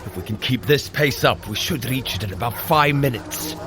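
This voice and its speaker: An actor playing a noble, protective warrior god, earnest and commanding, in a scripted audio adventure. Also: male voice, medium pitch, expressive, normal speed, a bit bright, natural voice. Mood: urgent.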